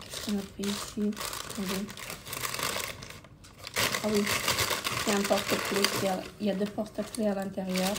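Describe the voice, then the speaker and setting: A woman's voice: mid-range voice, level tone, moderate pace, pauses often. Woman hesitantly showing off holiday purchases. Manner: hesitant, many filler sounds, repeats "comme ceci". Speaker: vlogger. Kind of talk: casual holiday haul vlog. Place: indoors at a holiday rental near the beach. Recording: crinkling packaging noise close by.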